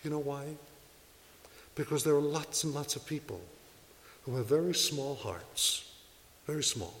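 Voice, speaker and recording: A man's voice: on the high side, expressive, a little slow, in a large hall, slight background noise. A man, a Catholic priest, giving an earnest sermon, exhorting his listeners and asking them rhetorical questions. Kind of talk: sermon to a congregation.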